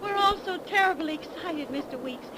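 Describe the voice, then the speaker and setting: An actress playing an eager, level-headed young nurse in a 1930s radio drama, animated and proper, on a noisy old broadcast. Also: female voice, extremely high pitch, normal speed. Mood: eager, curious.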